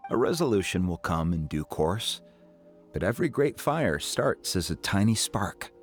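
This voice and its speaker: A man's voice: sits low, very animated, moderate pace, faint music behind. A man voicing a dignified, patient tribal chief in a video game, speaking in a stately, formal way. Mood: patient, firm. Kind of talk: video game character acting.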